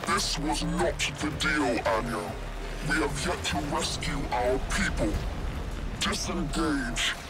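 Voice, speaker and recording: An actor playing a stern officer in a video game, speaking in a deliberate, commanding way. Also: male voice, medium pitch, animated. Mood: stern protest. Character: stern male officer protesting a betrayal. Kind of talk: scripted video game dialogue. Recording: loud music over the voice.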